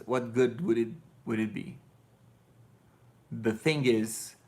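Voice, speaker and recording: A man in his thirties with a Brazilian accent, sleepy and rambling loosely as he answers chat on a live stream from his living room. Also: medium pitch. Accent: Brazilian Portuguese. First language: Portuguese. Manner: loose, digressive, self-correcting, blunt. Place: living room with couch and colored lights.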